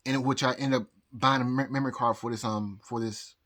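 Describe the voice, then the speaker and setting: A man telling a rambling personal story to his phone, halting and repeating words, pausing often, with nervous laughs. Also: mid-range voice, steady tone, a bit bright. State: out of breath. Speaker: vlogger. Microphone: phone recording.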